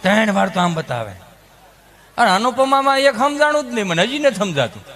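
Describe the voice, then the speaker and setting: A male stand-up comedian with a Kathiawadi Gujarati accent, storytelling with lots of animation. His voice is very high and bright, with a sharp edge. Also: a little fast. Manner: animated, mimicking people in his stories.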